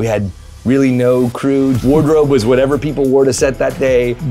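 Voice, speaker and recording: Faint music plays in the background. A man with an American accent talks at a fairly quick pace with ordinary pitch variation. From Arkansas, USA. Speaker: actor and voice actor. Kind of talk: interview answer. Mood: relaxed, smiling, amused. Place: office. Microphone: lapel.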